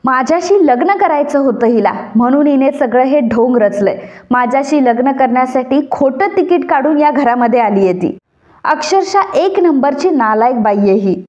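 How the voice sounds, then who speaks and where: A woman's voice: high voice, expressive, moderate pace, a little mellow. A woman voicing an angry young husband who feels deceived, speaking in bitter accusing outbursts. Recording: dull lo-fi recording.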